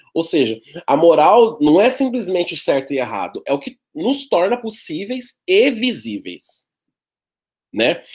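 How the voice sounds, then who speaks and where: A man speaks at a high pitch with very wide pitch swings. His pace is fairly slow against a quiet background. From Brazil, Ribeirão Preto (São Paulo state); São Paulo state, Brazil. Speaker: university lecturer. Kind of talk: online lecture. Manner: animated. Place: home room. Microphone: webcam.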